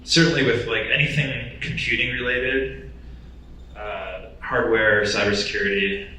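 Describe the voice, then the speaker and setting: A man speaking on a conference panel as a company founder, confident and brisk. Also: mid-range voice, fairly even intonation, sharp tone, a little hiss or hum. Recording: echoey hall, distant mic.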